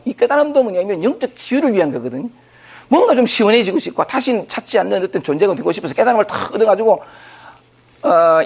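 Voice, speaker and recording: A man's voice: high-pitched, creaky, darkish tone, slightly rough. A man, a spiritual teacher giving an informal dharma talk to a group. He speaks in a loose, conversational way, thinking aloud with repeated words and fillers. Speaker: spiritual teacher lecturing on scripture.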